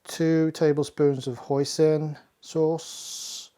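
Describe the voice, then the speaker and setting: A man's voice: a little high, flat delivery, very slow, mellow, smooth. A man hosting a casual home cooking tutorial, chatty and self-deprecating as he walks through each step. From Hakka Chinese family. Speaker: cooking show host.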